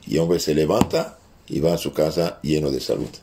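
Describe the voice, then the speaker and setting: Priest with a French accent, very low voice, halting catechism teacher who quotes scripture. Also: male voice, background noise. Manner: halting, with many restarts, quoting scripture aloud. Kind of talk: catechism lesson.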